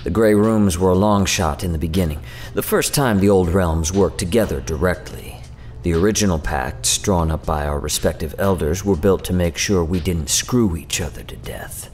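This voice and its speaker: Casting: male actor as roguish otherworldly schemer, very low pitch, sardonic and slangy, audio drama with music underneath. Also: moderate pace, darkish tone, close to an everyday voice. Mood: matter-of-fact. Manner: slangy, sardonic, casually profane. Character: irreverent, roguish male otherworldly emissary, whiskey-drinking schemer.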